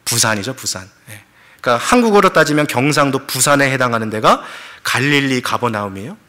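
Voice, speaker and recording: A man's voice: medium pitch, lively intonation, brisk, pushed and bright. A man preaching a sermon as pastor, telling the story with questions to the congregation and English words mixed in. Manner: mixes English words into Korean.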